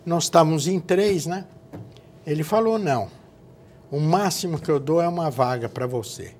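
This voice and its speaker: Recalling the past in an interview, a former state legislator from São Paulo, Brazil, now an older man and a guest, halts often and repeats words. The voice is slightly high and mellow, and a faint hiss or hum can be heard.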